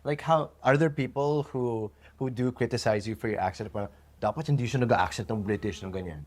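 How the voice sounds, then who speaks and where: A man's voice: medium pitch, a little fast. A Filipino man hosting a podcast, chatting casually and often asking for agreement as he talks. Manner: tag questions, chatty and expressive. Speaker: podcast host. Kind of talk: casual chat.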